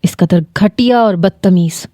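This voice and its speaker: A woman's voice: medium pitch, mellow, no room sound, studio quality, natural voice. A woman voicing a stern middle-aged father in a narrated story, firm and scolding.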